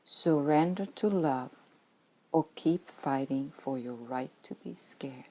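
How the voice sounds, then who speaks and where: A woman's voice: rumbling low, slow, mellow, poor audio. A middle-aged Swedish woman with a Swedish accent, whose first language is Swedish, reading her own spiritual memoir in an earnest, reflective way. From Sweden. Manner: earnest, reflective, at times dropping to a whisper.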